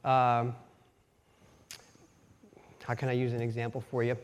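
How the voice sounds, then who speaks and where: A man's voice: medium pitch, completely flat delivery, unhurried, clear, resonant tone, muffled recording. A man from Pennsylvania with a light Pennsylvania Dutch accent, giving a casual, folksy sermon full of personal stories and self-deprecating asides, often restarting his sentences. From Pennsylvania, USA. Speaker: lay preacher. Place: church sanctuary. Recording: long church reverb.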